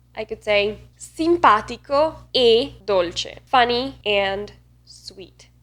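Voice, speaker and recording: A woman with a northeastern Italian accent talks at a very slow pace. Her pitch is fairly high and her intonation lively. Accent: northeastern Italian accent in Italian words. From northeastern Italy. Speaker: language teacher. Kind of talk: tutorial. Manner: clear, deliberate enunciation.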